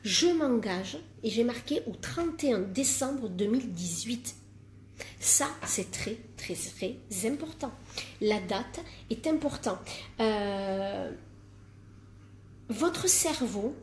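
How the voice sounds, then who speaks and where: Woman life coach, emphatic and self-mocking, live-stream talk, slightly high pitch. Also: a little mellow, slight background noise. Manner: emphatic, repeats words for stress, jokes at herself.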